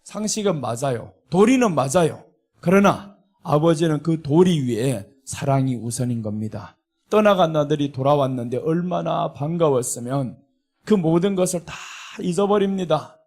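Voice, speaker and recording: Middle-aged korean pastor w seoul accent, slightly high voice, earnest sermon, gets fired up. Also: male voice, expressive, normal speed, a little mellow. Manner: earnest preaching, rising when voicing indignation.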